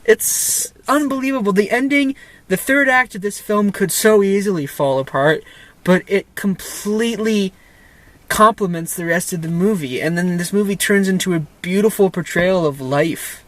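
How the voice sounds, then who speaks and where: A man's voice: high-pitched, normal speed, a bit bright. A young man co-hosting a casual film review, enthusiastic and rambling, laughing at himself as he goes.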